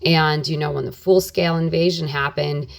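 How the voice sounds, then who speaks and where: A woman's voice: sits low, steady tone, normal speed, gravelly. A middle-aged woman from Ukraine, a nonprofit president speaking as a guest on a radio interview, talking earnestly with many "you know" fillers. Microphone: phone or studio mic on radio.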